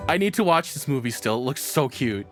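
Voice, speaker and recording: A man doing casual live reaction commentary as a streamer, excitable and rambling, swearing freely. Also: mid-range voice, brisk, over music. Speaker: VTuber streamer reacting to videos.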